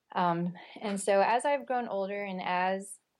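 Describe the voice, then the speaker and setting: A plain, everyday voice from a woman with an American accent, at a fairly slow pace against a quiet background. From US, Houston area (Taiwanese parents). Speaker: author and mother. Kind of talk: interview conversation.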